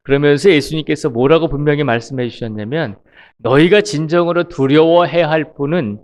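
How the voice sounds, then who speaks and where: A middle-aged male pastor preaching an early-morning sermon slowly and deliberately, drawing out his phrases. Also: on the high side.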